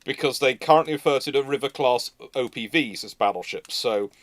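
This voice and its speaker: A man hosting a live history Q&A, talking off the cuff in a discursive, halting way with many asides. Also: mid-range voice, dry recording. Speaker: host of a live naval history Q&A. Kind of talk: unscripted expert discussion.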